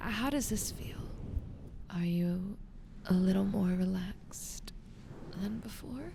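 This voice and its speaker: Woman acting a soft-spoken motherly angel, slightly creaky. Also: medium pitch, takes it slowly, background noise. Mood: soothing, intimate. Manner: soothing, coaxing, patient, drifting into whispers. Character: gentle motherly female guardian angel, caring and earnest. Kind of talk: soft-spoken ASMR roleplay.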